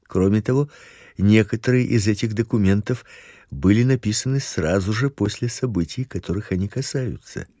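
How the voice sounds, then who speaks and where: A man giving a scripted Christian lecture in a slow, measured reading voice. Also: dark tone, no echo, clean studio sound. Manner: slow, measured reading with wide pitch swings. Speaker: Christian teacher.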